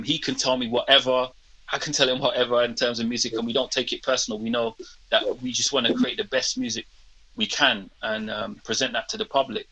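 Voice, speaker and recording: London MC, 50s, easygoing interview chat, bright tone. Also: male voice, mid-range voice, poor audio. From England. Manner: relaxed, says "man" often. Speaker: guest rapper. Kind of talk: casual interview talk.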